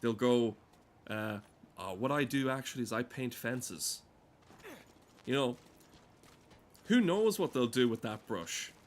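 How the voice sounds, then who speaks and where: A man's voice: mid-range voice, animated, slow pace, pauses often. A man giving crude, comedic, rambling commentary while playing a game, swearing often. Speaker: gamer talking over gameplay.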